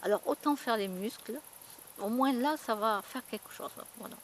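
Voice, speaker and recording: A woman vlogger chats loosely to her camera, circling back and repeating herself as she tells her story. Her voice sits a little on the high side. A faint hiss runs under the recording. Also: moderate pace. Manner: chatty, rambling storytelling with many fillers and repeats. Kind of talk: casual chat.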